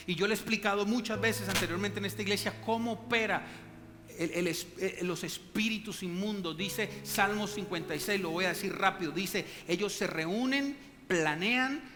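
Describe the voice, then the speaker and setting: A male pastor preaches in a high, ringing voice, swinging between fervent rises and quiet, low moments. His words trail off into a long church reverb, with instrumental music playing beneath. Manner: preaching with emphatic rises and hushed drops. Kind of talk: sermon. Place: church hall. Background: soft instrumental music.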